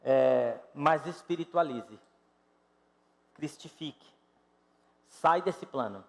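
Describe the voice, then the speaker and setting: Emphatic Brazilian pastor in a reverberant church. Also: male voice, fairly high pitch, takes it slowly, vocal fry. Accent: Brazilian Portuguese. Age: 50s. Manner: emphatic, rises and drops sharply in loudness, addresses congregation directly. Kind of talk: sermon. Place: church sanctuary.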